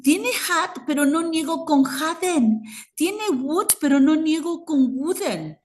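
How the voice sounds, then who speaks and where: A woman's voice: high-pitched, expressive, slow pace. A woman with a Mexican Spanish accent teaching an English grammar class, explaining patiently and switching between Spanish and English. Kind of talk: bilingual grammar lesson.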